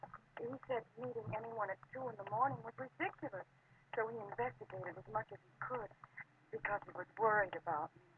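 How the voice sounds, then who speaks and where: Through a tinny, faintly noisy old broadcast comes a sweet young woman. She speaks in a fairly high voice, earnest and haltingly breathless, in 1940s radio drama style. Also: sing-song, vocal fry.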